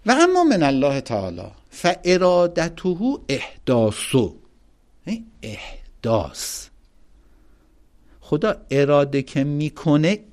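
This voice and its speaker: A man giving a religious lecture, emphatic and animated, reciting Arabic quotations and explaining them to his audience. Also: a little high. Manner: animated, emphatic, rises sharply on key points.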